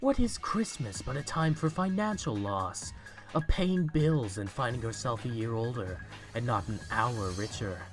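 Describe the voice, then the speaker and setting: A man's voice: mid-range voice, expressive, a little slow, faint music behind, close to an everyday voice. A man playing a cold, miserly, irritable company boss in a fan audio drama, curt and scornful.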